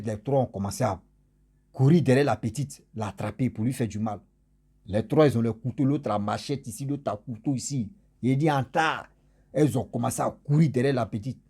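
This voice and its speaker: A man's voice: medium pitch, warm tone, husky. A man casually retelling a mystical tale, rambling and repeating himself while he speaks to his listeners. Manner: rambling, repeats phrases, addresses listeners directly. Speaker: storyteller.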